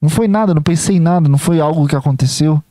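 A man's voice: fairly high pitch, racing, warm tone, no echo. A man talks in a casual reaction vlog, emotional, rambling and self-deprecating, often restarting his sentences.

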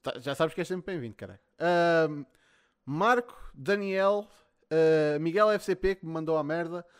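A man's voice: fairly high pitch, normal speed, clean tone. A man with a European Portuguese accent hosting a livestream in a casual, sweary chat style. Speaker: livestream host.

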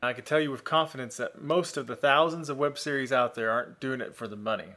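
A man's voice: medium pitch, fast talker, pushed and bright. A man co-hosting a podcast, talking casually and laughing easily at himself. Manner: chatty, self-deprecating, laughs easily. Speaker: podcast co-host.

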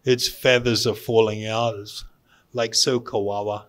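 A man giving a spiritual lecture as a teacher, speaking deliberately with pauses and repeating phrases for emphasis. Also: lowish voice, flat delivery, a bit bright. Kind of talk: spiritual lecture to a live audience.

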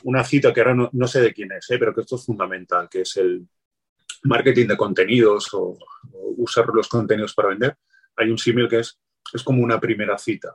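Husky low-voiced man giving advice. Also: steady tone, fairly quick. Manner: explanatory, many restarts and "pues". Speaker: guest, LinkedIn sales consultant. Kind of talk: casual interview talk, giving advice.

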